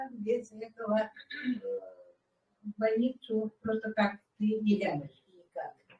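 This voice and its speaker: Her dark, mellow tone carries through a fairly slow delivery. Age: 60s. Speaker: network marketing distributor. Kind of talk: testimony.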